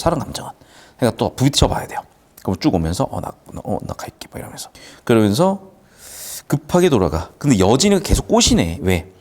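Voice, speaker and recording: Lively, joking male literature tutor. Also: medium pitch. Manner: lively, jokey, acts out characters' lines. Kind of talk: classroom lecture explaining a screenplay.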